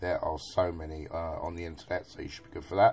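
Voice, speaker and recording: This man speaks with a very deep, low pitch and fairly even intonation over noticeable background noise. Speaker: VFX tutorial maker. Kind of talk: software tutorial narration.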